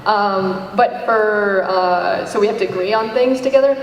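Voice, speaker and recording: A woman's voice: mid-range voice, normal speed, a little hiss or hum. Woman joking around casually on a con panel, kinda self-deprecating, echoey and far from mic. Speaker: panelist and parody series writer. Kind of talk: casual unscripted panel chat. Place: convention panel room. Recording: echoey hall, distant microphone.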